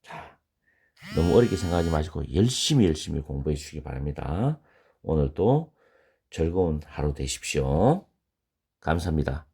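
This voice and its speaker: A man with a very low, gravelly voice teaches an online English grammar lesson. His tone is dark and a little husky, and he speaks English words with a Korean accent. He patiently repeats key words slowly so they can be practiced. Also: very animated.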